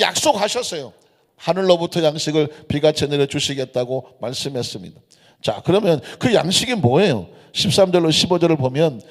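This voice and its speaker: A man preaching a sermon as pastor, emphatic and leading the congregation in call-and-response. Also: on the high side. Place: church sanctuary. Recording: long church hall reverb.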